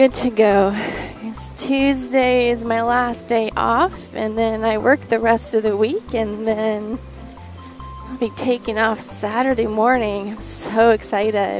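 Clear music plays in the background of a dry recording with no echo. A woman speaks at a fairly slow pace in a monotone, flat intonation. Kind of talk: casual vlog chat. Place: motorbike. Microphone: helmet.

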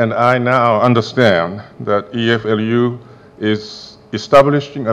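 A man speaks in a fairly low pitch. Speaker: guest. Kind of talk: formal address. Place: hall. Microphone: podium.

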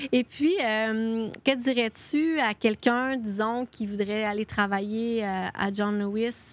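A woman at a fairly high pitch and very slow pace, fairly even in intonation, on a very clean recording with a silent background. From Quebec, La Tuque. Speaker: podcast host, newcomer integration coordinator. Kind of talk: casual interview. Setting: outdoors by a lake. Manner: slow, hesitant with many fillers.

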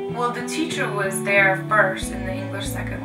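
A woman at a moderate pace over loud music in the background. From Poland. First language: Polish. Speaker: interviewee. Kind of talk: interview answer. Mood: warm, reflective storytelling. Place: home room.

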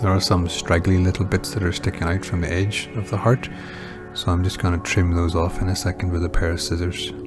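A quiet man with a Northern Irish accent, very deep and low in pitch, speaking at a fairly quick pace over music in the background. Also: fairly even intonation. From Northern Ireland. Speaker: resin artist. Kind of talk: craft tutorial voice-over.

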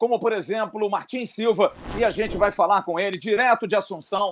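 There is light background noise behind this speaker. He is a man with a high pitch and fairly even intonation. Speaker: sports channel host. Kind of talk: live show opening commentary. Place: home room. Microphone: earbuds.

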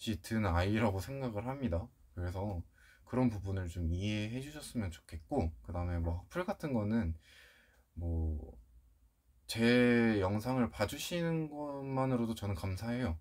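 A man talks in a fairly low voice with lively intonation. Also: fairly slow pace. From South Korea, Seoul. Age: 20s. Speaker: bowler and YouTuber; YouTuber. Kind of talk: Q&A vlog. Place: home room.

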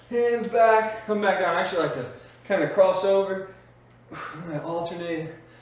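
The speaking pace is moderate. Audible room echo surrounds the voice. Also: man. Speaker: fitness instructor. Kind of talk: workout instruction. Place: gym.

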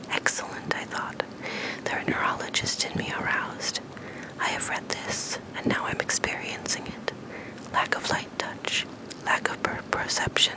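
The pace is fairly slow. All of it is whispered. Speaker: reader. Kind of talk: whispered reading aloud for relaxation. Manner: soft-spoken, hushed whisper; slow, calm, dreamy pace. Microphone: phone near.

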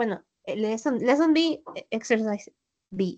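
A woman speaking against a quiet background. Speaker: online English teacher. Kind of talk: lesson instruction. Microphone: video call.

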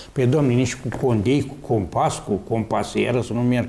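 A man's dark, mellow tone at a fairly slow pace, with audible room echo. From Romania, Moldavia (Dumbrăveni, Suceava). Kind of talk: TV interview. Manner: rambling, conversational.

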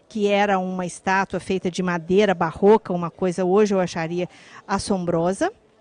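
A woman speaks at a moderate pace, with a dry sound and no echo. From Brazil, Minas Gerais (Lagoa Santa); Minas Gerais, Brazil. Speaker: storyteller sharing a personal memory. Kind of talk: personal storytelling. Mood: nostalgic, gently humorous. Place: booth. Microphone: handheld.

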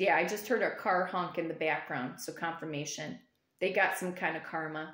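In a quiet background with audible room echo, a woman speaks at a moderate pace. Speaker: tarot reader. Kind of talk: tarot reading commentary. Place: home room. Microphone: phone near.

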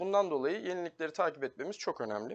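A man with a high voice speaks with lively intonation over a quiet background. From Istanbul, Turkey. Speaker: SAP consultant. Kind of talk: interview. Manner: hesitant with frequent fillers.

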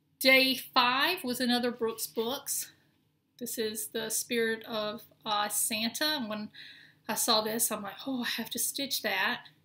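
A woman with a Southern US accent speaks at a fairly slow pace in a fairly high, bright and sharp tone. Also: ordinary pitch variation. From US South, Mississippi. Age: 40s. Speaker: cross-stitch vlogger and online shop owner. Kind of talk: casual show-and-tell video. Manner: casual, frequent filler words. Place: home room. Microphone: webcam.

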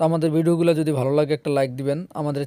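A man's fairly high-pitched, ordinary speaking voice with fairly even intonation and a dry, close sound with no echo. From Bangladesh, Cumilla (Chandina). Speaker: construction video blogger. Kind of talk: casual vlog address to viewers.

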